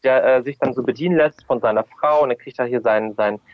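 A man speaking casually as an interview guest, halting and searching for words, with emphatic phrasing. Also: medium pitch, dry recording, dull audio. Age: adult. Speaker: podcast guest, drag queen and DJ.

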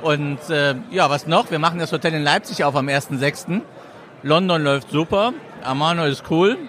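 Laid-back man with mid-high voice. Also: moderate pace, fairly bright tone. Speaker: guest, hotelier. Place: trade fair lounge.

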